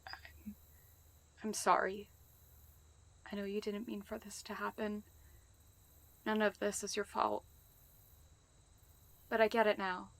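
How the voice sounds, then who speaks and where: A woman's voice: medium pitch, level tone, takes it slowly, pauses often, dry recording. A woman playing an anguished, sardonic wartime spy in love, in an emotional audio drama with a bitter, wry edge. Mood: sad, resigned.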